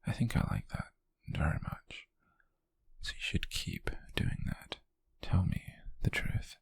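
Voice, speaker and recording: A British man playing a possessive, softly menacing rich captor in an intimate ASMR roleplay, murmuring in a breathy, husky voice with slow, coaxing deliberation. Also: no echo, lightly acted. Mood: intrigued, probing. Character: possessive, softly menacing wealthy male captor, obsessive and doting. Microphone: close microphone, dry.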